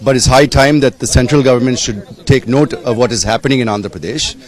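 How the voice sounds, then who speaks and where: A man's voice: mid-range voice, brisk. A man with an Indian accent giving a political statement as a party politician. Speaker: opposition politician.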